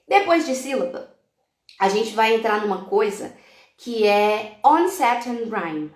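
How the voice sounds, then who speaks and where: A woman's voice: a little high, expressive, takes it slowly, echoey room. A woman teacher from Brazil giving a live-stream talk to other teachers, explaining classroom activities step by step and dropping in English example words.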